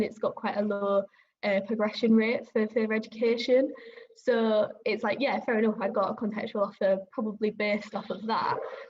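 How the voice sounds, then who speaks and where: A woman's somewhat breathy, fairly high voice at a fairly quick pace, flat and monotone in intonation. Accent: Northern English. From northern England (Selby, near York). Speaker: university student. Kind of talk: panel discussion.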